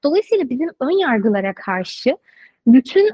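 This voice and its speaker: A somewhat breathy woman talks at a moderate pace. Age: 20s. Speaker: tech retail product specialist. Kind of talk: interview.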